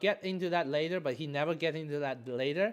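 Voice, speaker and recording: Very clean, silent-background recording of a man with a Chinese accent. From Southern China. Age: 20s. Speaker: tech YouTuber. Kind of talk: live stream chat. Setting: live stream. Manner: halting, repetitive stammering.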